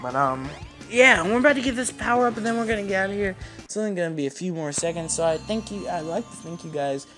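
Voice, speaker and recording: A man's voice: high voice, expressive, quick pace. A young man giving casual, slangy, rambling game commentary as the host of a gaming video. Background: video game music.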